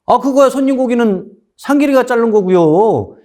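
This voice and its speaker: A man voicing a low-born market butcher who answers with sly, polite wit. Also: animated, normal speed, a little mellow. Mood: wry.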